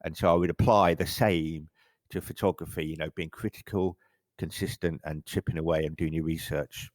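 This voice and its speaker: A middle-aged English man with a very low voice, chatting casually as an interview guest. He rambles and often restarts his sentences. The sound is close and dry. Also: fairly even intonation, normal speed, no echo. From England. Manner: rambling, self-correcting, frequent stammered restarts. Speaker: photographer guest.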